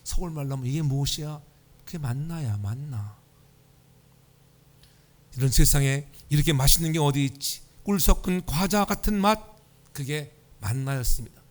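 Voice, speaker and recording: A man's voice: on the high side, animated, moderate pace, long pauses. A man preaching a Sunday sermon in a church, telling humorous stories and asking the congregation for responses. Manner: humorous storytelling. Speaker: pastor. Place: church sanctuary.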